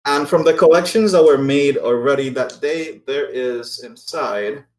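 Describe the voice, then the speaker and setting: A man narrating a tabletop game as game master, explaining things in a halting way. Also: mid-range voice, a little mellow, echoey room.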